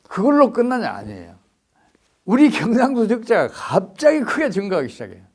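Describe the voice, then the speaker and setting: A man with a high voice answers interview questions as an economics expert. He talks in an emphatic, lecturing way, throwing out rhetorical questions. His delivery swings widely in pitch. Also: wildly swooping pitch, moderate pace, darkish tone.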